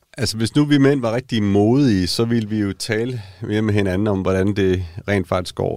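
A man's dark, mellow tone at a moderate pace, on a very clean recording with a silent background. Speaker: anthropologist and gender researcher. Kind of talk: interview. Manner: halting, many fillers.

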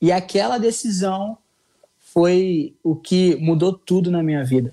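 The delivery comes at a very slow pace. Pitch varies in an ordinary way. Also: man. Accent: Espírito Santo. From Brazil, Espírito Santo (Vitória). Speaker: footballer. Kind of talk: interview. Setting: virtual studio.

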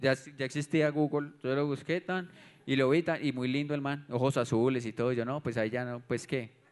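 This man speaks at a fairly quick pace in a flat monotone. His pitch is fairly high. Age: 30s. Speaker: podcast guest. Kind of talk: casual chat.

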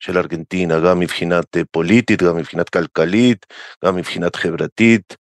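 A man speaks with a Spanish accent at a very deep, low pitch. His intonation is fairly even, and the sound is dry and close with no echo. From Argentina. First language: Spanish (speaking Hebrew). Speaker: academic expert on Latin America. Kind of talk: interview. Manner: hesitant with fillers.

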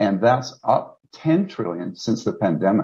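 Against a quiet background, the voice has a dark, mellow tone, lively intonation and a somewhat breathy quality. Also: man. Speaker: newsletter stock analyst. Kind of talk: interview.

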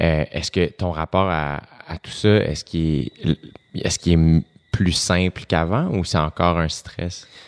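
A man's very deep, low voice, fairly slow and fairly even in intonation, with a dry, close sound, no echo and a very clean recording over a silent background. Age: 30s. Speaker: podcast host. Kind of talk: casual interview.

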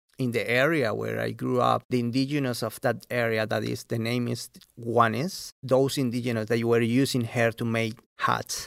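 A man with a Spanish accent talks at a moderate pace and a medium pitch, in monotone, flat intonation. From Colombia, Santander (Piedecuesta). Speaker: artist. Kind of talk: interview. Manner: halting.

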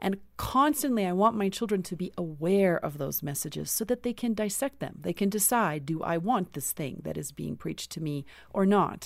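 Lively intonation and vocal fry come through on a very clean recording with a silent background. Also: woman, medium pitch for a woman, moderate pace. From South Africa. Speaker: author and speaker. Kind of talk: casual interview conversation. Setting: studio.

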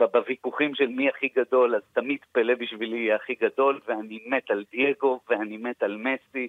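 Hardly pausing, a man talks at a moderate pace and medium pitch. His intonation is monotone and flat. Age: 50s. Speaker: sports broadcaster. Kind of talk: casual chat.

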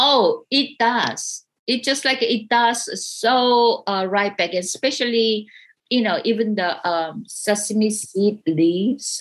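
A woman with a Korean accent speaks at a very slow pace with a fairly high pitch. Her loudness stays very even and her pitch varies in an ordinary way. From South Korea. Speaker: poetry teacher. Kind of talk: personal storytelling.

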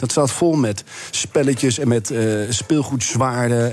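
A man with a medium pitch and ordinary pitch variation is heard against noticeable background noise. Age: 40s. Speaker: game designer. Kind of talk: casual chat.

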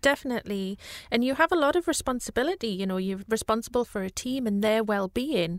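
Fairly high-pitched, a woman talks at a very fast pace with lively intonation, in a very clean recording with a silent background and a dry, close sound with no echo. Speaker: podcast host and university academic. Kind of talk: interview, presenting.

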